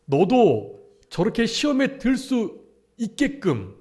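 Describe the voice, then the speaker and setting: A man's voice: very high voice, wildly swooping pitch, takes it slowly, darkish tone. A male pastor preaching a Sunday afternoon sermon at a church service, often asking the congregation rhetorical questions.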